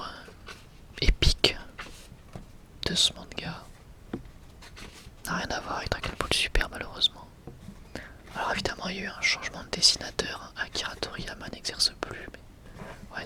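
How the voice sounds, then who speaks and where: An ASMR creator whispering breathily and close to the mic in a casual, rambling, enthusiastic way, often correcting themselves.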